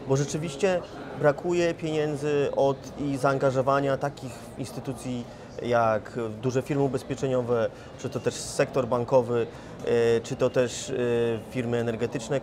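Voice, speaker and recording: A man in his forties answers questions on a lapel mic at a busy conference, his voice in a middle register. He talks in a measured way and often restarts his phrases. Clear crowd chatter fills the background. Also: mid-range voice. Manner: measured, with frequent restarts and fillers. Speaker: investment firm chief executive. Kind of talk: interview answers. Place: conference hall in front of a sponsor wall.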